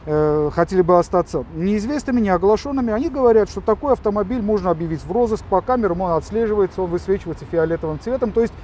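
A male lawyer with a high voice gives interview answers quickly. He explains step by step and keeps catching on fillers and restarts. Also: lively intonation, warm tone, a little hiss or hum.

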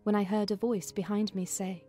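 A woman narrates a classic novel as a housekeeper, in a measured storytelling style. Her voice is mellow and of medium pitch. Soft music plays behind her. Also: little pitch movement. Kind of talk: dramatized audiobook narration, in character as a housekeeper. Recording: music under the voice.

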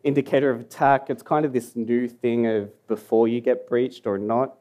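Mellow-voiced Australian man giving a talk. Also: mid-range voice, fairly even intonation, moderate pace, highs cut off. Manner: casual, joking, mumbling at times. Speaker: security conference speaker. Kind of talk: conference talk. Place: conference hall.

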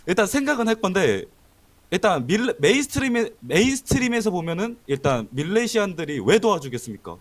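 A man's voice: high-pitched, sing-song, a little fast. A man as a guest on a voice-chat talk show, joking in a mock-serious way. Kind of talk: casual call-in chat.

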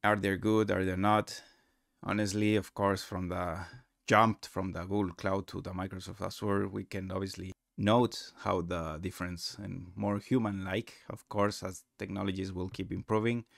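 A man presents a software walkthrough in a low, gravelly voice. His English is non-native and halting, with a casual delivery. The sound is close and dry. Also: level tone, no room sound. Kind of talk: casual screen-recorded tutorial narration.

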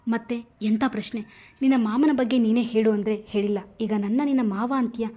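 A woman's voice: on the high side, steady tone, brisk, lo-fi sound, close to an everyday voice. A woman voicing a joking, easygoing young male police officer in a told story. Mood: teasing. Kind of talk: storybook narration.

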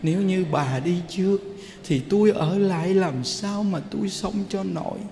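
A man's voice: high voice, normal speed, gravelly, mellow. A man voicing an elderly husband speaking tenderly and with resignation to his wife, heard in a long-reverb hall.

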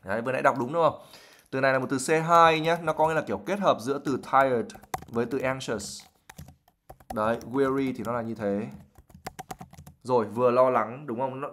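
A man's voice: medium pitch, a bit bright. A man teaching English vocabulary on a livestream, explaining words patiently with many fillers.

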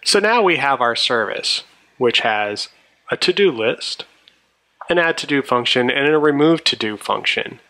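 A man's voice: medium pitch, animated, unhurried, gravelly, sharp tone. A man narrating a programming tutorial in a methodical, explanatory way. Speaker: programming instructor. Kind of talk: tutorial narration over a screencast.

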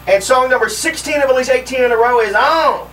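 Fast-talking, showy American radio DJ, young man. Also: very high voice, a bit bright, distant mic, a little hiss or hum, low-quality recording.

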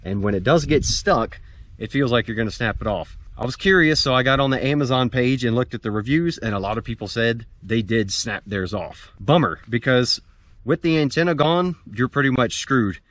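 A man's voice: medium pitch, expressive, normal speed, a bit bright, dry recording. An American man in his forties giving a casual, plain-spoken gear review to camera outdoors. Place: outdoors in a dirt clearing among pines.

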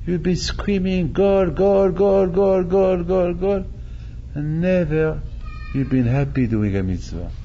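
Preaching with animation in a synagogue hall, an older rabbi from Morocco repeats phrases and dramatizes quotes into a stand mic at chest level. He takes his time in a high-pitched, creaky voice, and the recording has its highs cut off plus slight background noise.

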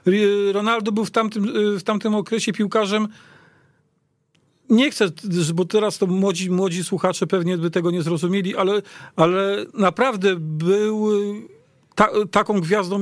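A man talking casually about football as a studio guest, in a halting, conversational way. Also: sits high, fairly even intonation, no room sound. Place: radio studio.

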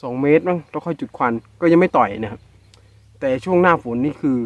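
A man with a Northeastern Thai accent narrating a casual outdoor vlog while he harvests wild bee nests, exclaiming excitedly and calling his viewers brothers and sisters. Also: a little high, quick pace, dry recording, lo-fi sound. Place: outdoors in rural scrubland.

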